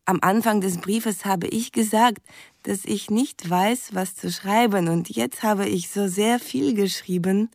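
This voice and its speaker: A woman's voice: medium pitch, unhurried, creaky, a little mellow, no room sound, clean studio sound. An actress playing a cheerful young Russian woman reading her romantic letters aloud in stilted, ungrammatical sentences in a radio drama. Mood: eager, earnest.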